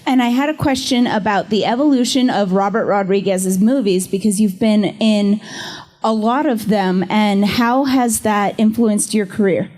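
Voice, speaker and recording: A woman's voice: medium pitch, moderate pace, a little mellow. Earnest woman fan asking a question. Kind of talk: audience question.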